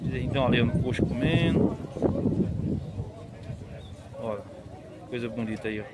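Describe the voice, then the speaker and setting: A man's voice: medium pitch, moderate pace. A man, walking through outdoor cattle pens and chatting to viewers about the animals and prices. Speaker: vlogger filming a cattle market. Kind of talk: casual walk-around commentary. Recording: outdoor market crowd noise.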